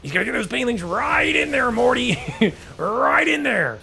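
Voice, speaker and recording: A man's voice: very high voice, very animated, normal speed, gravelly, crowd noise, pitched above the performer's own voice, exaggerated voice. Rick Sanchez, as a man puts him on: cranky old cartoon scientist. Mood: goading.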